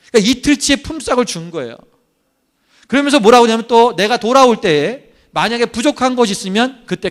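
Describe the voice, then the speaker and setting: A man preaching a sermon as pastor, acting out quoted complaints and often calling out to the congregation. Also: sits high. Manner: animated preaching, acts out quoted complaints, keeps addressing the congregation. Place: church.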